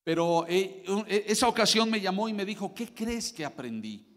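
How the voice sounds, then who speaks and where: A Mexican man preaching a sermon as pastor, dramatic, swinging from loud bursts to low murmurs. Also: sing-song, moderate pace, in a large hall.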